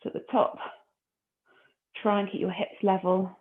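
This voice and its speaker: A woman leading a core exercise class, giving calm, encouraging cues and breath counts. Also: mid-range voice, normal speed. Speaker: fitness instructor. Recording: phone-like narrow audio.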